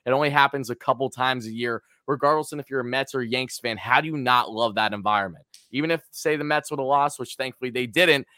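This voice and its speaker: A man with a raspy, hoarse voice co-hosting a sports podcast, chatting casually in an excitable, hyperbolic way. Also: mid-range voice, fast talker, few pauses, dry recording, studio quality. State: hoarse from screaming.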